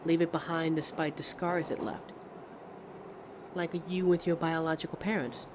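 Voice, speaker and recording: A woman's voice: low voice, moderate pace, lightly acted. A woman playing a pensive, friendly train passenger in a conversational ASMR roleplay, musing hesitantly as she talks to a stranger. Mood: reflective. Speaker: audio roleplay performer. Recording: steady train ambience noise. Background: train ride sound effects.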